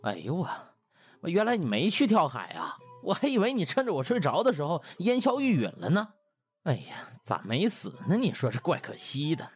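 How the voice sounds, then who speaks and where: Male narrator as hapless, mouthy young doctor, comic audio drama. Husky, wildly animated, whiny complaints. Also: on the high side, moderate pace, faint music behind, voice pushed up, full character voice. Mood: sarcastic, indignant. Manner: whiny, sarcastic, stammering protests. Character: grumbling, cheeky, easily cowed young male doctor.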